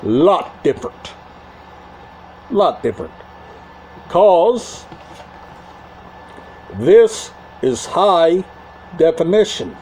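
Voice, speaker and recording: Slow, high-pitched man with halting delivery. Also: big pitch swings, a little mellow, slight background noise. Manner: repetitive, halting short phrases. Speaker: YouTube channel host. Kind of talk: casual talk to camera about a media collection.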